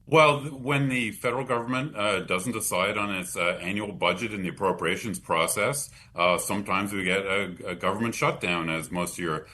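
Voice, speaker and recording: Bright, forceful North American man explaining policy. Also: fairly low pitch, moderate pace, hardly any pauses. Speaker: policy expert guest. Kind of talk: interview answers, explanatory.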